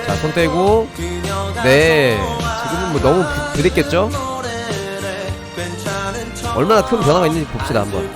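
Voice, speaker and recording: A man's voice: a little high, big pitch swings, moderate pace, long pauses. A man doing live game commentary and tutorial as a streamer, talking to his viewers over music. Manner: talks to viewers, thanks donors. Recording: music behind the voice.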